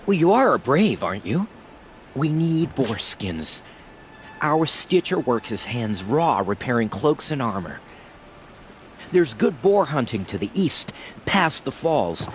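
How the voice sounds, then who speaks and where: A proud, nervous tribal hunter in a game. His mid-range voice swings in animated, expressive turns as he justifies himself. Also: medium pitch, measured pace, pauses often, slight background noise. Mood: appraising. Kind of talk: video game dialogue acting.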